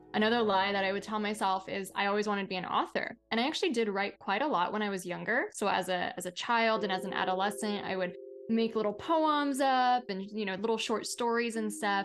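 Noticeable background noise sits behind a woman of medium pitch. She talks at a fairly quick pace with ordinary pitch variation and hardly any pauses. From outside English-speaking world. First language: not English. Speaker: life coach and author. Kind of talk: podcast interview. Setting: remote call.

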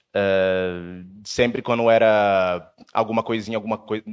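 A man is speaking. The background is quiet. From interior of São Paulo state, Brazil (Votuporanga). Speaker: actor and content creator. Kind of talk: casual interview chat. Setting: studio in an office.

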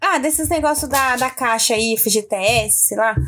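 A woman is talking. Her pitch is high. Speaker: podcast co-host. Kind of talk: casual chat.

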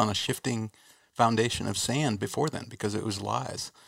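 With vocal fry and fairly even intonation, a man talks at a fairly quick pace. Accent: American. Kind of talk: testimony.

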